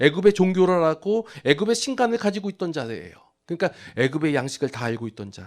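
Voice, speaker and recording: The man talks at a fairly quick pace and a high pitch, with very wide pitch swings and big swings in loudness. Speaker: pastor. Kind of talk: sermon. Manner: halting.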